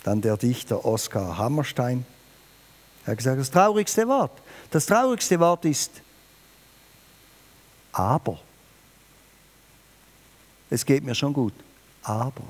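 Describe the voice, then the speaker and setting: A man preaching a New Year sermon, emphatic and lively, speaking directly to his listeners. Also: slow, pauses often. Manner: lively, emphatic, varies pitch and volume, addresses listeners directly.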